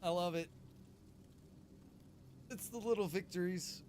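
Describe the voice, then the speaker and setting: A man livestreaming a survival roleplay game, chatting casually and informally as he thinks out loud. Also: high voice, a little slow, slight background noise. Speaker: game livestreamer and server developer.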